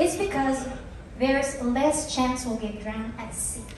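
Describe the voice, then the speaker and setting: Lively intonation carries a woman's speech at a moderate pace. Audible room echo and light background noise surround her voice. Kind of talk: stage banter. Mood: humorous, warm. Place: stage.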